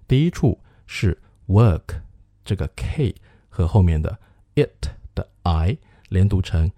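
A man hosting a radio-style English pronunciation lesson, patiently explaining and modeling phrases in slow, drawn-out repetitions. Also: low voice, mellow, dry recording. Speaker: English teacher and show host.

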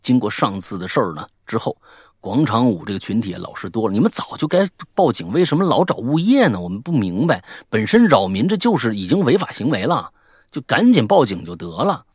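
A male podcast host reading out a listener's story aloud, animated and full of character voices. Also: fairly quick, slightly rough, dry recording, clean studio sound. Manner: lively, mimics characters with sudden high-pitched outbursts.

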